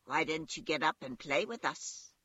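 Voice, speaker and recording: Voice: medium pitch, lively intonation, normal speed, sharp tone, slightly rough, no room sound, muffled recording. A narrator voicing a brash, boastful wild rabbit in a storybook, blunt and teasing, exclaiming taunts. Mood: breezy.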